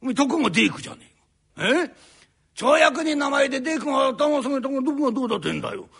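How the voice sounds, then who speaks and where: A male rakugo storyteller voicing a haughty, spiteful older landlord who talks down in drawn-out Edo downtown speech. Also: extremely high pitch, animated, vocal fry, fairly bright tone, full character voice. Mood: sneering. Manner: sneering, condescending, drawn out.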